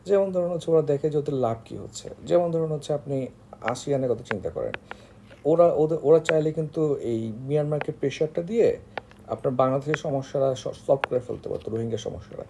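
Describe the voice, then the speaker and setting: A man with a Bangladeshi accent giving an informal explanatory lecture as an online tutor, halting often with hesitations and filler phrases. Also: on the high side, expressive, vocal fry, dark tone, a little hiss or hum. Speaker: online tutor for job exam candidates.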